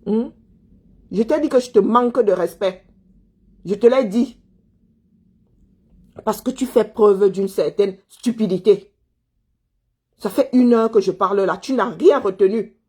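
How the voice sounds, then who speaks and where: This woman from Cameroon has a mellow, mid-range voice with a slight roughness, and she speaks unhurriedly with frequent pauses. As a commentator replying to viewers, she rants heatedly, scolding, repeating herself, and posing rhetorical questions.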